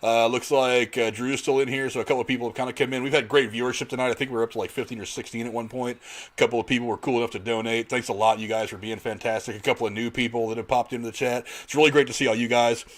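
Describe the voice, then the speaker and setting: A man's voice: medium pitch, little pitch movement, rapid-fire. A man hosting a casual panel podcast in a chatty, conversational way. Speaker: podcast host.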